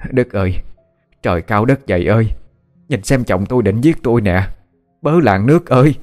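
A man voicing a scheming old mother-in-law in a ghost story, with a shrill wailing voice. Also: expressive, moderate pace, a little mellow, faint music behind, close to an everyday voice.

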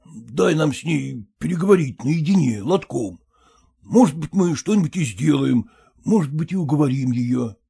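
A gentle older father, voiced by a man who coaxes and calms the others. His voice is high and gravelly with lively turns. He speaks in a soothing way. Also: moderate pace, heavily acted. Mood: coaxing. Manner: soothing, coaxing.

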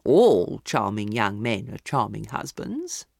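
A woman voicing a sly, nervous older male palmist who speaks low and evasively. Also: big pitch swings, slow, creaky, a little mellow, dry recording, studio quality, full character voice.

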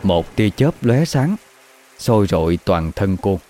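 A man narrating a horror story in a slow, measured storytelling voice. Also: low-pitched, very animated, mellow, a little hiss or hum.

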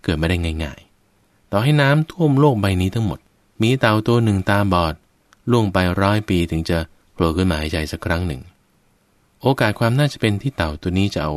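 A man's voice: low-pitched, lively intonation, brisk, no echo. A man giving a Buddhist sermon, addressing his listeners directly and explaining with everyday examples. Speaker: Buddhist preacher.

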